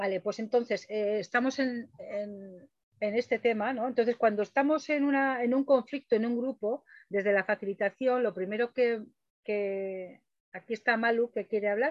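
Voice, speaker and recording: A woman with an ordinary speaking voice talks at a moderate pace, her pitch fairly high and her pitch variation ordinary. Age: 60s. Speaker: conflict facilitator. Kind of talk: lecture. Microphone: unstable rural internet connection.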